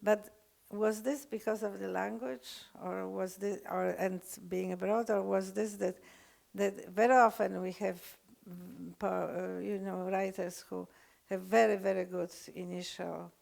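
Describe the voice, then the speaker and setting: An older woman with a Polish accent, lecturing unscripted, halting often with fillers and restarts. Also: medium pitch, fairly even intonation, gravelly, darkish tone. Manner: hesitant, many fillers and restarts.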